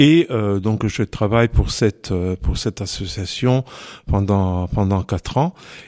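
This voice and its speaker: Very slowly, a man speaks in a fairly low pitch with ordinary pitch variation. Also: dry, close sound with no echo. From Italy, Emilia-Romagna (near Reggio Emilia). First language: Italian (speaking French). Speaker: retired NGO director, diocesan solidarity coordinator. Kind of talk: radio interview. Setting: office. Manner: halting.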